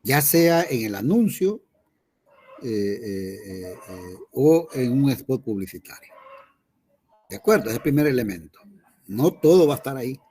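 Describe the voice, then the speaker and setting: A man's voice: medium pitch, big pitch swings, unhurried, pauses often, dark tone, husky. A man, a teacher lecturing his class in an online lesson, explaining patiently and often checking in with his students.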